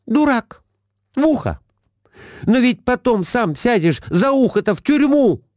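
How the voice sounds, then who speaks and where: A shrill, bossy middle-aged wife nags in a high, swooping voice, as a male reader puts her on. She peppers her scolding with broken French, and the sound is dry and close, like a storybook recording. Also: big pitch swings, measured pace, a little mellow, no room sound. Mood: frantic.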